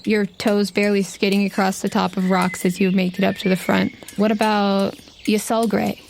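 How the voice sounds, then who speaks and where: A woman's voice: medium pitch, little pitch movement, moderate pace, gravelly, darkish tone, slight background noise. A woman running a tabletop game, narrating off the cuff and putting questions to the players. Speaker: game master.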